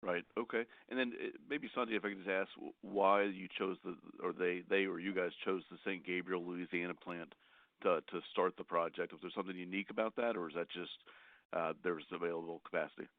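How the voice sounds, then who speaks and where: A man's voice: low voice, fairly even intonation, fairly quick, dry recording. A man calling in as a financial analyst to put questions on an earnings call. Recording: roomless, thin phone line.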